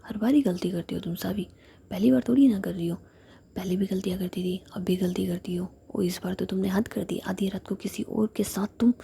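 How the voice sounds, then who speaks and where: A woman's voice: medium pitch, a little fast, creaky, mellow, a little hiss or hum, natural voice. A woman voicing an angry, jealous young woman, delivering her lines in a snapping whisper. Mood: scolding.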